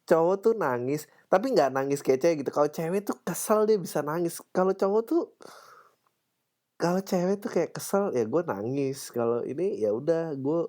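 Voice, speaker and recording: A young man hosting a casual solo podcast, playful and quick to laugh, sometimes mimicking other people's voices. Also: a little high, a little mellow. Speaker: podcast host.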